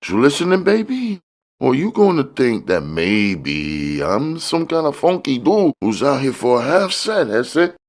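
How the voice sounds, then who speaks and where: Man putting on a sly fat dealer, pitched way up. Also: sing-song, unhurried. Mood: cocky, schooling. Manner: slangy street talk sprinkled with Spanish. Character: fat, sly Mexican drug dealer, smooth-talking and cocky. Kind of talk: audiobook character dialogue.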